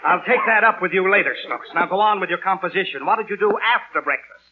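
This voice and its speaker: A man's voice: sits high, fast, close to an everyday voice. A man playing a flustered, exasperated daddy. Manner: patient scolding that grows flustered. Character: exasperated father, fussy and flustered. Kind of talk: 1940s radio comedy acting. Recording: tinny, noisy old radio broadcast.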